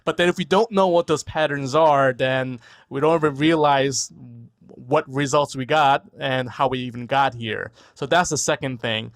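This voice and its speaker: Speaking at a moderate pace in a mid-range voice, a New York physician in his forties, Korean his first language, appears as a guest on a video call from a room at home. His casual interview talk is thoughtful, with words repeated and "right?" tacked on often.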